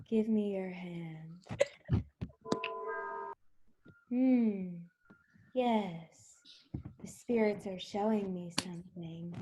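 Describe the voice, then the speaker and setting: A woman playing a theatrical phony TV psychic in a parody ad, portentous with dramatic pauses. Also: mid-range voice. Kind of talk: parody infomercial, comedy sketch. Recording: clear background noise with clicks.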